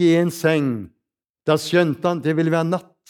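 A man with a southern Norwegian accent, high in pitch, with fairly even intonation, on a very clean recording with a silent background. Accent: southern Norwegian, guttural r. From southern Norway. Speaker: travelling preacher. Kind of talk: sermon.

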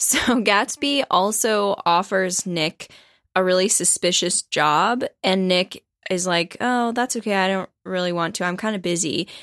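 An unremarkable speaking voice from a woman, medium in pitch with ordinary pitch variation, moves at a fairly slow pace. The recording is very clean with a silent background, and the sound is dry and close with no echo. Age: 30s. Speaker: podcast co-host discussing books. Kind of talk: casual chat.

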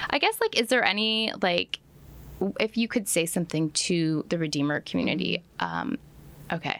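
Her loudness very even, a woman speaks at a moderate pace with lively intonation, vocal fry, and a fairly low pitch. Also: dry, close sound with no echo. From rural area. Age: 30s. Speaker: podcast host. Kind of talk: casual interview chat.

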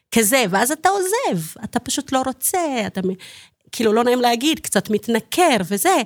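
A woman's high voice with an Ethiopian accent, very wide pitch swings, a moderate pace and a dry, close sound with no echo. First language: Amharic (speaking Hebrew). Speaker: activist and academic. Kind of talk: interview.

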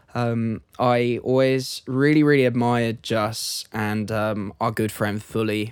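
He is a man with an ordinary speaking voice at medium pitch. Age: 20s. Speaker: singer-songwriter and producer. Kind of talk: casual chat.

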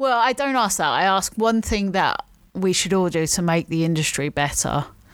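With a strong London accent and lively intonation, the speaker is heard on a very clean recording with a silent background. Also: woman. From London area, southern England. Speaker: podcast host, crane operator. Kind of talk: solo personal monologue. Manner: halting, with fillers.

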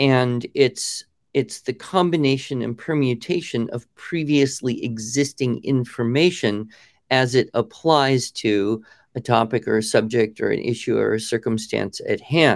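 A man with a normal speaking voice talks at medium pitch and a fairly slow pace. The recording is very clean, with a silent background. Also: ordinary pitch variation. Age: 60s. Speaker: writing curriculum founder and educator. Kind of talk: interview.

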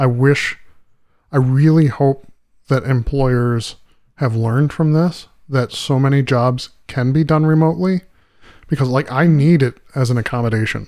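With an American accent, a man of medium pitch speaks with long, frequent pauses. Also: fairly slow pace, very even loudness. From US South, North Carolina. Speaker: podcast host. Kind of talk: casual interview chat. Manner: animated, enthusiastic.

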